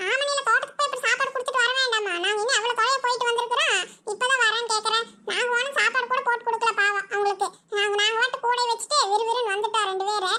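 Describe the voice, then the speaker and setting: In a cartoonish character voice, a woman talks at a fairly quick pace with an extremely high pitch, very even loudness and fairly even intonation. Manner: homely village speech.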